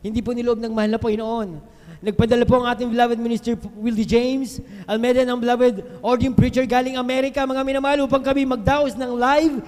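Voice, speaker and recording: Guy with a really high voice giving his church testimony, keeps calling out to the congregation, big echoey worship hall. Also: little pitch movement, a little fast. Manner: keeps repeating a fond address to the congregation; fervent, breaks into loud hallelujahs. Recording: long hall reverb on a live stream.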